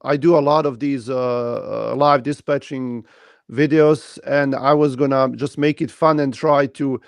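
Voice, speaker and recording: A man hosting a casual interview who agrees readily and often pauses with "uh" while he talks. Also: mid-range voice, fairly even intonation, gravelly, clear, resonant tone, no room sound, clean studio sound. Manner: agreeable, many "uh" hesitations. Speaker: host.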